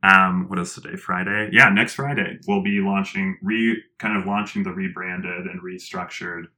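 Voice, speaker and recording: A man being interviewed, talking in a casual, animated way with many fillers, restarts and frequent laughs. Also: low voice, normal speed. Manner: laughs often. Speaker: interview guest, tech founder.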